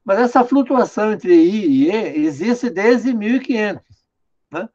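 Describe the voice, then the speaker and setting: A man's voice: sits high, animated, unhurried, darkish tone. An older man from Brazil, a linguistics professor giving an online lecture, patiently explaining a student's writing and tagging sentences with "né?". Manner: patient, explanatory, many "né?" tags, directs the screen operator. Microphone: video call. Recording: dull lo-fi video call audio.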